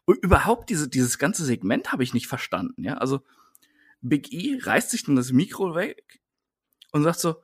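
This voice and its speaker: Ranting German man, husky voice. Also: on the high side, big pitch swings, normal speed. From Germany, Siegerland. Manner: ranting, exasperated. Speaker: podcast co-host. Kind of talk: casual wrestling chat.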